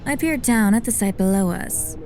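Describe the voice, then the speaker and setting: A woman playing a dry, clinically amused senior scientist, narrating an audio drama in an articulate, deadpan way. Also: medium pitch, moderate pace, over music, close to an everyday voice. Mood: wry, measured. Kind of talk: scripted first-person audio drama narration.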